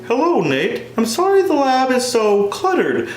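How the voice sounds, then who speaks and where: A man's voice: very high-pitched, wildly swooping pitch, unhurried, soft background music, voice pushed up, full character voice. A man playing both parts in a one-man stage comedy, here voicing an eccentric, pedantic chemistry teacher lecturing theatrically. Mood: fussy, gleeful. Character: eccentric pedantic male chemistry teacher, nerdy mad-scientist type. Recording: roomy, echoing stage sound.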